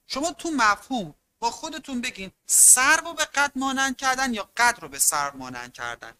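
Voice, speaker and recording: A teacher runs an online exam-prep lesson with a piercingly bright, sharp voice. Key terms get stretched out slowly for emphasis, and the students are called on again and again. The pitch sits right in the middle. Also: sing-song. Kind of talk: online class lecture.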